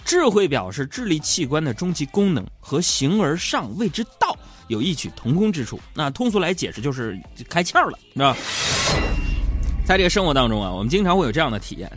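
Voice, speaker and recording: A middle-aged man, hosting a talk show and telling funny stories about his married life in a chatty, teasing way. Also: a little high. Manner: joking, teasing, chatty storyteller. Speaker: radio-style program host. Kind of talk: humorous storytelling talk show.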